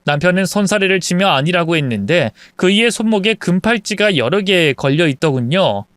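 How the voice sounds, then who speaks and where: A narrator reading a dramatic true-story account in a steady, scripted way. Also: medium pitch, normal speed, dry recording, studio quality.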